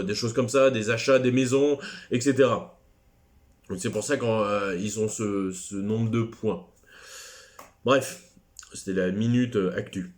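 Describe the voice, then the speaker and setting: A man teaching a recorded French class lesson, chatty and digressive, with self-deprecating asides. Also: lowish voice.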